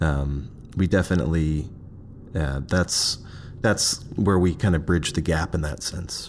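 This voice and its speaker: Fairly slow speech from a man with a very deep, low pitch. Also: ordinary pitch variation. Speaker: sound designer at an audio branding agency. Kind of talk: podcast interview.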